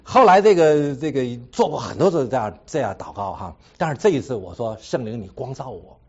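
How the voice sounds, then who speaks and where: Casting: husky-voiced man, lively swooping delivery, self-mocking church testimony, dull lo-fi recording. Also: medium pitch, a little fast. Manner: animated storytelling with repeated phrases and a habitual trailing "ha"; laughs at himself between points. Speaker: Christian speaker giving a personal testimony. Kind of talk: personal testimony to a congregation.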